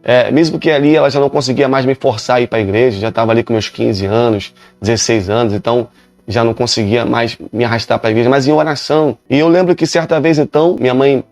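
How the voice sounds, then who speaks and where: A man's voice: medium pitch, fast talker, darkish tone, no room sound, faint music behind. A male pastor, telling his own conversion story emphatically and with many repetitions. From Rio de Janeiro, Brazil. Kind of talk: preaching a personal testimony.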